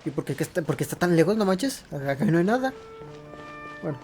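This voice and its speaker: A man's voice: fairly high pitch, big pitch swings, fast, a little mellow, soft background music. A man with a Mexican accent giving casual, slangy commentary as he plays a video game. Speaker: gaming video host.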